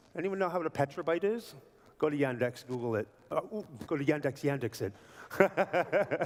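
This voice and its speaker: An animated man with lively intonation, a fairly high pitch and a moderate pace. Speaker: conference keynote speaker. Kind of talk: conference keynote talk. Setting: stage with audience.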